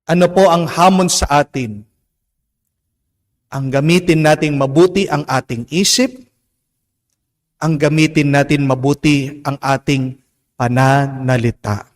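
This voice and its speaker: A man with a Filipino accent preaching a Catholic homily, slow and emphatic, stretching out words and asking rhetorical questions. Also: a little high. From Philippines. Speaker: Catholic priest. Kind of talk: homily mixing Tagalog and English. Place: church. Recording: long church reverb.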